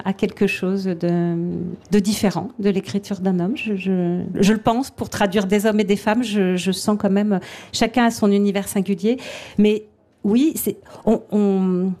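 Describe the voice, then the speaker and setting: A middle-aged woman, an author and literary translator, answering interview questions in a thoughtful, halting way with frequent restarts. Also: mid-range voice, mellow. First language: French.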